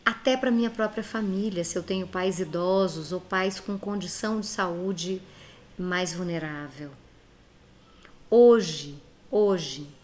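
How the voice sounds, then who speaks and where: A woman's voice: fairly low pitch, darkish tone. Earnest Brazilian woman talking directly to listeners. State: has a cold. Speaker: speaker giving reflections to followers. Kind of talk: direct-address motivational talk.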